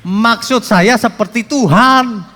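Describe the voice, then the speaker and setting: A man preaching a sermon as pastor, emphatic and joking with the congregation, his voice swinging from loud to soft. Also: extremely high pitch, takes it slowly, in a large hall, a faint crowd, slight background noise. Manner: jokes with the congregation.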